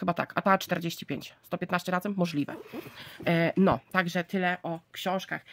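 A woman with a fairly low-pitched voice speaks at a very slow pace with fairly even intonation. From Poland. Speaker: YouTuber scratching lottery tickets; lottery ticket vlogger. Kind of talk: casual vlog chat. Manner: chatty, lots of fillers. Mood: calm, mildly disappointed. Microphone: phone near.

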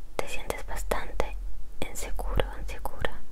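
The speaker is a woman, whispering. She goes at a very slow pace. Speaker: ASMR creator. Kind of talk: soft spoken quiz reading. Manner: close intimate whisper into microphone. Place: home room. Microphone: handheld.

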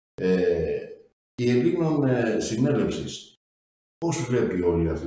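A man's medium-pitched voice in a room with strong echo. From Greece. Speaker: web TV show host. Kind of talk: political interview. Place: studio.

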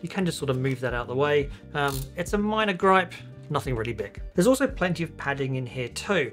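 A man talks very fast while faint music plays behind him. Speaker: tech reviewer. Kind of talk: product review. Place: home room.

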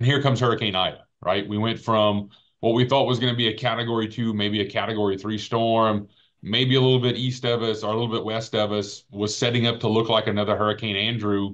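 Against a quiet background, a man speaks very fast with a South Louisiana accent and monotone, flat intonation. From coastal Louisiana. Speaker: local elected official. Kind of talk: panel discussion. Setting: video call. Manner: repetitive stammering. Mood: earnest, serious. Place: office. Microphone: webcam.

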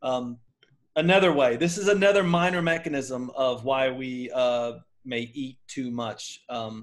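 This man has a slight Southern US accent and ordinary pitch variation. He speaks at a fairly slow pace. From North Carolina. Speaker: podcast host. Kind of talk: casual chat; casual podcast discussion. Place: home room. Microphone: earbuds.

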